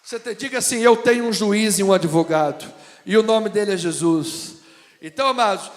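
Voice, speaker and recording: A man from Rio de Janeiro with a Carioca accent preaches from the pulpit in a remarkably high voice. He swings between booming proclamations and soft, chatty asides. His words ring out with the long reverb of a church sanctuary. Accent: Carioca Brazilian Portuguese. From Brazil (Rio de Janeiro). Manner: swings from loud proclamations to quiet conversational asides. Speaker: pastor. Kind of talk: sermon.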